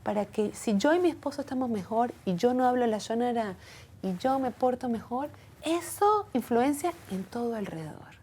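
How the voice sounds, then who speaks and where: A woman's voice: a little high, animated, normal speed, darkish tone, a little hiss or hum. A woman speaking earnestly and reflectively as a guest in a personal interview. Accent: foreign accent when speaking Hebrew. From from outside Israel.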